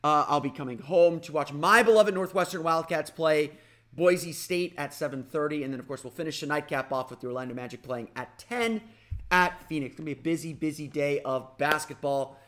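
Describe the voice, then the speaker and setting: A man hosting a casual sports podcast, talking energetically with a slightly raspy voice and frequent restarts. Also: a little high, fairly quick. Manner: energetic, rambling with restarts and fillers. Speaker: podcast host.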